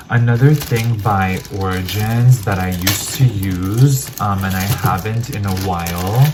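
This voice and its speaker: Chatty low-voiced man unboxing. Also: background noise. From Armenian heritage. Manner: chatty, rambling, self-deprecating. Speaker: vlogger. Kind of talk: casual unboxing chat.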